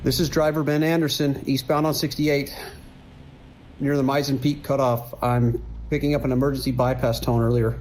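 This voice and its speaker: A man's voice: medium pitch, level tone, normal speed, darkish tone, slight background noise, lightly acted. A man playing an earnest, worried long-haul trucker and army veteran in a horror audio drama, speaking plainly and steadily in radio procedure. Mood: steady, urgent.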